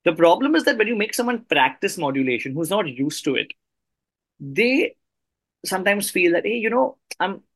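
A man hosting a conversational interview, explaining things in a halting way with repeated words. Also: sits high, sing-song, no room sound. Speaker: interview host, communication trainer.

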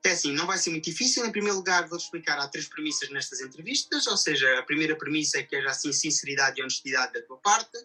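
A man with a European Portuguese accent hosting a conversational interview, explaining things at length in a husky voice. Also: a little high, lively intonation, fast, hardly any pauses, pushed and bright. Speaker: interview host.

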